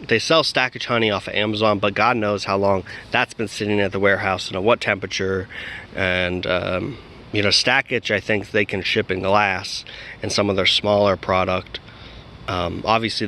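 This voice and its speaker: A man's voice: fairly low pitch, sharp tone, a little hiss or hum. A man talking casually in a vlog, rambling with many fillers and restarts, recorded outdoors. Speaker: diet vlogger.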